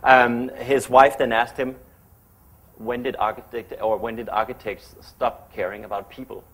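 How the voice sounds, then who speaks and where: A man whose first language is Danish, giving a chatty, fast-paced public lecture in English as an architect. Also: medium pitch, little pitch movement, fairly bright tone, slightly rough, rough recording. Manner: fast-talking, chatty, self-deprecating.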